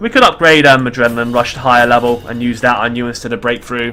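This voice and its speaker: With music playing in the background, a man talks at a medium pitch with an English accent. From England. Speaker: gaming livestreamer. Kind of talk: gameplay commentary. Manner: fast; occasional stutter when rushing.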